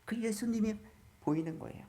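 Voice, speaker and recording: A man's voice: high-pitched, a little fast, dark tone, slight background noise. A man preaching as a pastor in church, throwing questions at the congregation and calling for amens. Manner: peppers the congregation with questions and calls of amen. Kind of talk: sermon.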